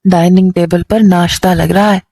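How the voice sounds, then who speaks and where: A woman voicing a reproachful, soft-hearted mother. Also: fairly low pitch, steady tone, normal speed, no echo. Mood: kindly. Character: soft-hearted middle-aged mother, scolding then kindly.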